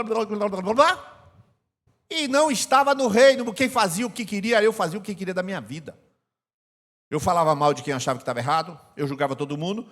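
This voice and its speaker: High-voiced older Brazilian pastor in reverb. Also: male voice, a bit bright. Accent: Brazilian Portuguese. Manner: conversational preaching, repeating phrases for emphasis. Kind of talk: sermon. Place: church hall. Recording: long church-hall reverb.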